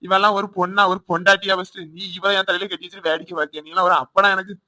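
A man voicing an angry young husband in a cartoon, accusing rapidly with a Tirunelveli Tamil accent. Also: high voice, level tone, pushed and bright, no room sound. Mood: resentful.

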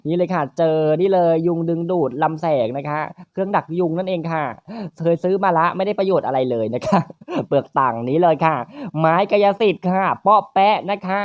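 A gaming host talks through a puzzle game with crude, teasing jokes and quick banter. The voice sits in an ordinary middle register. It is recorded close and dry on a slightly muffled home mic. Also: no echo. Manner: crude, teasing, rapid banter with frequent high laughs. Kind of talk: playful let's-play commentary.

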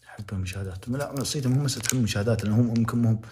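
A man's voice: mid-range voice, racing, noisy background. A young man with a Saudi accent giving impassioned, moralizing livestream commentary, repeating phrases to press his point. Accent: Saudi Arabic.

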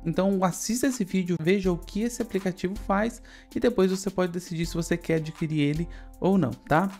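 A Brazilian-accented man presents a casual software walkthrough in a mellow, dark-toned voice. He is on a USB microphone, with music underneath. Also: sits high, fairly quick. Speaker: tutorial presenter. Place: studio indoors.

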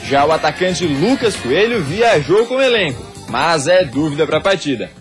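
Male sports reporter, high voice, voice-over with clear music underneath. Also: very animated, normal speed. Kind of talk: scripted news narration.

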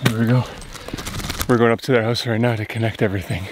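A man's voice: medium pitch, steady tone, fast talker, background noise. A young man talking earnestly to a camera he holds at arm's length, outdoors and in a car. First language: English. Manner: earnest, talks straight to camera. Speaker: vlogger, coffee company founder. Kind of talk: casual vlog to camera. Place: outdoors on a rural road and in a car, then a village.

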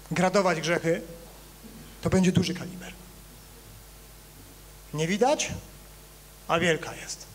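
A male pastor preaching to his congregation in a church, with a fairly high voice. He talks in a conversational way, rising loud and emphatic, then dropping to quiet, low asides. A faint hum sits under the recording. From Poland. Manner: conversational, addresses congregation directly with humor. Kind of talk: sermon.

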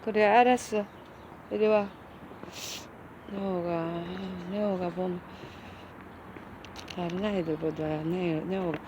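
A woman's voice: on the low side, fairly even intonation, slow pace, long pauses, background noise. A middle-aged woman, speaking casually and calling the cats over and over in a coaxing, affectionate way as she feeds them outdoors on a hillside. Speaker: cat caretaker and channel host. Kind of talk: casual talk while feeding cats.

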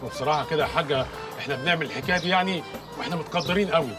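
An actor playing a sly male servant with an Egyptian accent, talking in a rapid, wheedling manner. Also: on the high side, music in the background, lightly acted. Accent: Egyptian Arabic.

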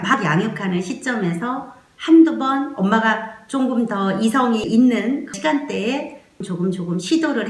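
A woman's voice: a little high, reverberant. A woman giving a spoken parenting lesson, explaining earnestly and acting out the soothing words she would say to a crying baby. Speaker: parenting educator.

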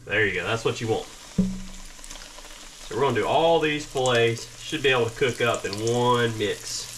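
A man's voice: medium pitch, normal speed, a bit bright. A man, casually explaining each step as he works, like a vlogger teaching. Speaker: fishing and cooking vlogger. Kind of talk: casual instructional narration while working. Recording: noisy action-camera audio, outdoors and kitchen.

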